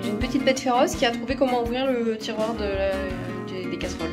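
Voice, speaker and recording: A woman's voice: fairly high pitch, fast, loud music behind the voice. A woman vlogger chatting casually to her followers, with a rambling, self-interrupting way of talking. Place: at home, kitchen.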